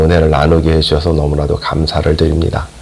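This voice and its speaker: There is noticeable background noise. Through it, a man talks at a very deep, low pitch. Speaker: pastor. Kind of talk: sermon. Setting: church service broadcast.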